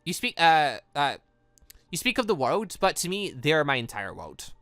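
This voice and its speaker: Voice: mid-range voice, sing-song, moderate pace, a bit bright, no room sound. A gamer reading as an earnest, defiant young student. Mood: earnest, wistful. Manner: earnest, plain-spoken. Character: earnest, defiant young male student devoted to his friends.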